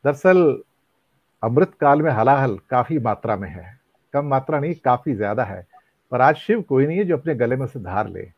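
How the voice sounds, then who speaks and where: A man's voice: mid-range voice, lively intonation, no echo. Man hosting a panel debate. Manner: measured, recites song lines to make his point. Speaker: debate host. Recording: dry, muffled lo-fi audio.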